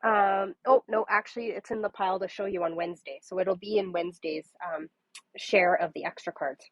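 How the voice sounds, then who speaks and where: Greeting viewers by name, a papercrafting demonstrator chats casually on a livestream from her home craft table while nursing a cold that makes her nasal. Her voice is lowish and a little fast. The recording sounds dry and lo-fi.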